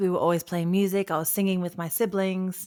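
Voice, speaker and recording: Recorded very cleanly against total silence, a woman with an Australian accent talks at a medium pitch. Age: 40s. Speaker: singer and vocal coach. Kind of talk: interview conversation. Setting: podcast.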